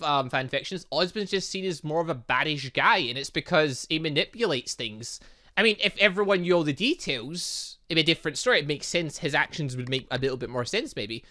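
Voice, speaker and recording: Male let's-play host, bright and punchy, loose rambling commentary with mild swearing. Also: on the high side. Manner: chatty, swears lightly, rambling asides. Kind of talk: casual gaming commentary and reading aloud.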